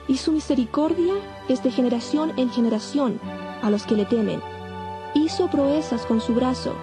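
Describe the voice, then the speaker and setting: Humble young virgin, fairly high voice. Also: female voice. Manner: reverent, declamatory. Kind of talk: dramatized scripture audio acting. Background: music.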